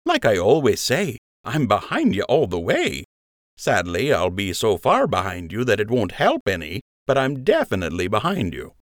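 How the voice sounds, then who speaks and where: A man's voice: on the low side, wildly swooping pitch, moderate pace, no echo, clean studio sound. A man voicing a playful, smirking young male rabbit who teases his friend in an audiobook. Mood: cheeky. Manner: wry, smirking, playful teasing. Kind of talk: audiobook character voice.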